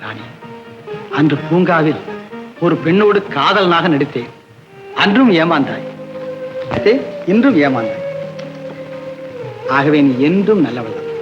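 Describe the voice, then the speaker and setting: A wounded romantic hero. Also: male voice, on the high side, very animated, unhurried, pauses often, over music. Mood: tender. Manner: bitter, then gently teasing and declamatory. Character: wounded young hero feigning drunken despair. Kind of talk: 1960s film acting. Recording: dull old film soundtrack.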